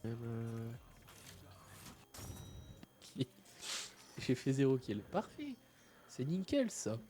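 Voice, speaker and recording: Slow, mellow-voiced man with a cold. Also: mid-range voice, a little hiss or hum. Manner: relaxed, mumbling asides, frequent fillers. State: has a cold, stuffy. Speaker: streamer. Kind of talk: casual live gameplay chat.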